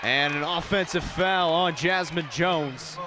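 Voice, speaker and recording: A man's voice: on the high side, takes it slowly. A young American man doing live play-by-play sports commentary, projecting with urgency. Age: young adult, about 20. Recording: loud crowd noise from the arena. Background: sports crowd and game ambience.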